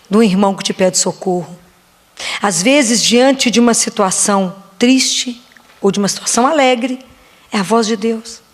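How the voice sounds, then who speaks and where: A woman giving a slow, reflective devotional sermon, often asking rhetorical questions. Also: a little high. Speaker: preacher. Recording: long hall reverb.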